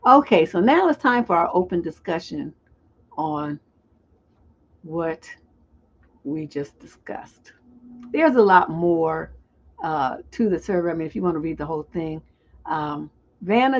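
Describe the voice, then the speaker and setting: A woman with a mid-range voice speaks at a normal pace. She's a relationship coach hosting a live call-in stream, chatting loosely and reading out viewers' comments. The stream audio is dull and lo-fi.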